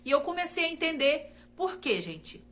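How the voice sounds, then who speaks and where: A woman's voice: high-pitched, sing-song, normal speed, a bit bright. A woman from Brazil sharing a personal faith testimony in an earnest, repetitive way, often turning to her listeners directly. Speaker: testimony speaker.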